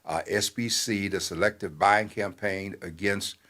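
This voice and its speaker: An older man, a newspaper editor, giving talk-show commentary in a measured, halting way with many fillers. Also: low-pitched, steady tone, pushed and bright.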